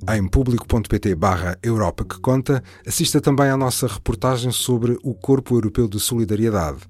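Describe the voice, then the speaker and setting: A man presenting a news programme with a clear, even scripted read. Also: mid-range voice, brisk. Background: faint music bed.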